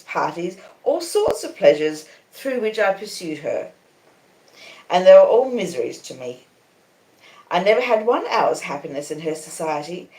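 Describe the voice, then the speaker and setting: An Australian woman reading a classic novel aloud in an expressive, dramatic, deliberate literary narration style. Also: fairly low pitch. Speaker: audiobook reader on a live stream. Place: conservatory in a small cottage. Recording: roomy, echoing conservatory sound.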